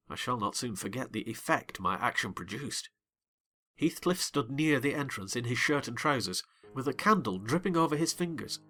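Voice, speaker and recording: Bright-voiced theatrical male narrator. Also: mid-range voice. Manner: theatrical, rising to excited shouts in dialogue. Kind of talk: dramatized audiobook reading.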